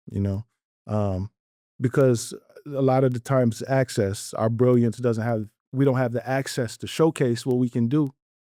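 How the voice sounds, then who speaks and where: A man with an American accent, medium in pitch and fairly even in intonation, dark and mellow in tone, the sound dry and close with no echo in a very clean recording over a silent background. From New York. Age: 40s. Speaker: county community liaison. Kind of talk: interview.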